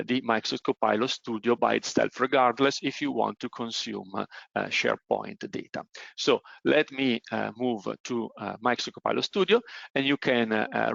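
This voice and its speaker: Italian man with a gravelly voice. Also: medium pitch, a bit bright, no room sound, highs cut off. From Italy. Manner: frequent "uh" hesitations while explaining. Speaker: presenter. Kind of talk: technical webinar demo.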